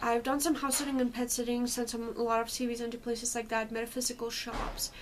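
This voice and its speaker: Here a woman speaks with a non-native accent. Her pitch is high. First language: not English. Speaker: vlogger. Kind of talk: personal rant vlog.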